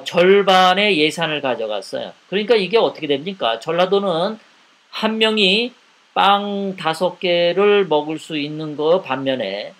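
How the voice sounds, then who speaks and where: A man with a high-pitched voice delivers live political commentary as host. He speaks in an indignant tone, hammering his points with repeated rhetorical questions. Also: a bit bright.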